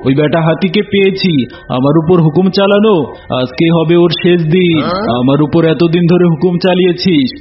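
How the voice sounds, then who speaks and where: A sly, boastful old cartoon tiger played by a man, theatrical and two-faced in how he talks. The voice sits a little high for a male. The sound is slightly dull, with soft music underneath. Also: moderate pace, close to an everyday voice. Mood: vengeful. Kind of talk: cartoon voice acting. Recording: muffled audio with music bed.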